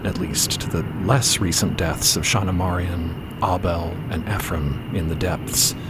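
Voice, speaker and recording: A man tells a dramatic story in a wry, conversational way. His lowish voice moves through lively swings of pitch but takes its time. An ambient rumble is clearly audible behind him. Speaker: podcast narrator. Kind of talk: dramatic scripted storytelling narration.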